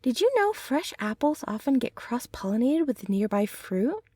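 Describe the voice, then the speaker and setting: A woman playing a gentle, affectionate young centaur girlfriend in an ASMR roleplay, speaking softly and tenderly in an unhurried ramble. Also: a little high, sing-song, no echo, studio quality. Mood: gentle, chatty.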